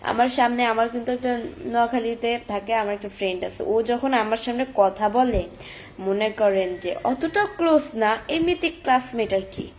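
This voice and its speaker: A woman's voice: fairly high pitch, moderate pace, a little mellow, a little hiss or hum. Teenage girl chatting on a phone live stream. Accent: Chandpur Bengali. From Bangladesh. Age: teens. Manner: chatty, reads viewer comments aloud and answers them. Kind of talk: casual live-stream chat reading comments.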